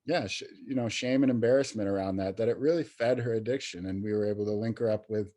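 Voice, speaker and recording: A man's voice: on the low side, fast, dark tone. A man speaking as a guest in a podcast interview, talking in a casual, hesitant way with many fillers and restarts. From New York State, USA. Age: adult in recovery, peer professional. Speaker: youth recovery program coordinator, guest.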